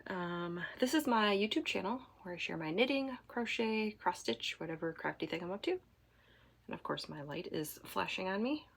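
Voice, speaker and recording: A woman from Michigan hosting a knitting podcast, chatting casually to camera at home while congested, rambling with fillers and soft asides. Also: mid-range voice, animated, normal speed, creaky. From Michigan, USA.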